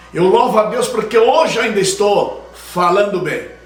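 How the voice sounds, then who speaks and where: Over noticeable background noise and audible room echo, a man with a high pitch speaks at a fairly slow pace. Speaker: pastor. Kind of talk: sermon. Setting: recording session for video messages. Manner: fervent, exclamatory.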